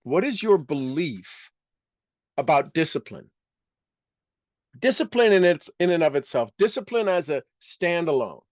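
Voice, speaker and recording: A man with a slightly raised pitch leads a motivational workshop in front of a live audience. He talks emphatically and repeats his key words for effect. The sound is dry, with little room echo. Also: big pitch swings, unhurried, pauses often, a little mellow. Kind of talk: live seminar teaching to an audience.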